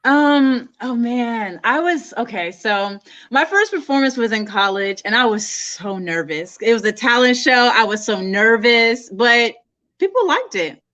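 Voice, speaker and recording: A woman's voice: on the high side, lively intonation, unhurried, a bit bright, muffled recording. A woman singer being interviewed, chatting casually and laughing often.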